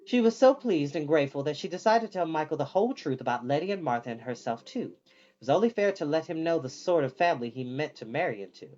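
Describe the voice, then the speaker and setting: A storyteller reading a children's book aloud in an expressive, animated way, acting out the dialogue. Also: medium pitch, fast, dull audio.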